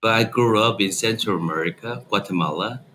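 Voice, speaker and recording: A man answers interview questions. His voice is very low. He tells his story in an animated, loosely phrased way, over faint background noise. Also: a little fast. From South Korea. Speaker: company founder and guest.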